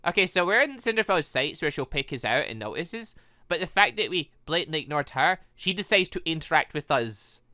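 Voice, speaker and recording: Male gaming commentator, lively swooping pitch, bright tone, rambling casual asides, dry recording. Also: fairly quick, dry recording. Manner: rambling, animated, stammering asides. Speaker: gaming video host. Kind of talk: casual game playthrough commentary, reading dialogue aloud.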